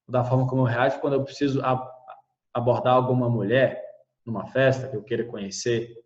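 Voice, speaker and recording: Over audible room echo, a man speaks fairly quickly at a medium pitch with monotone, flat intonation. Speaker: stuttering coach and public speaking mentor. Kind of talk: online course lecture. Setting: video call. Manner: occasional small repetitions.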